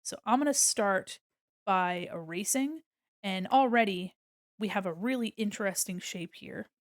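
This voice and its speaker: A woman's voice: medium pitch, measured pace, no echo. A woman at a home stream walks through logo design references, chatty and loose with plenty of ums. She is a bit sniffly, and her mid-range voice sits close and dry with no room around it. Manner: chatty, many ums and restarts, explaining while drawing. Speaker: streamer giving art critique. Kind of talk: casual art tutorial walkthrough.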